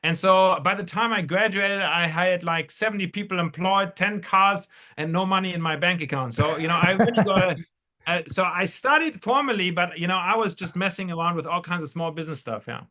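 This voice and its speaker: Bright-voiced, higher-pitched man from Germany. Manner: halting, rambling, repeats words. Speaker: podcast guest, entrepreneur. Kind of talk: casual anecdotal interview storytelling.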